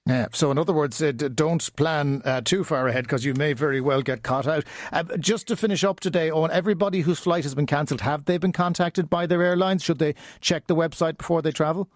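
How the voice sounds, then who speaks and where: A man's voice: a little high, fairly quick, hardly any pauses, no echo, clean studio sound. An Irish man presenting radio news and conducting a live interview.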